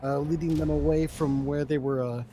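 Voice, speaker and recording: A man's voice: a little high, steady tone, normal speed, mellow, slight background noise. A man casually narrating his turn as a player in a tabletop board game.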